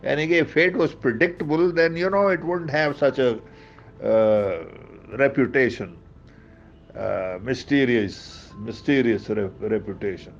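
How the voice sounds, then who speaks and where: A man's voice: mid-range voice, unhurried. A man with a South Asian accent reads a book aloud as a storyteller, theatrical in delivery, with conversational asides. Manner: theatrical, hesitant in asides, switches between English and Urdu. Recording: dull lo-fi audio with background music. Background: music.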